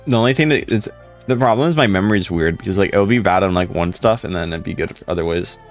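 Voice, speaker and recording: A young man with a deep voice, casually chatting with viewers on a live stream. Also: fast talker. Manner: laid-back, rambling, chatting to viewers. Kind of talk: casual live stream chat, reading comments. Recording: faint music in background.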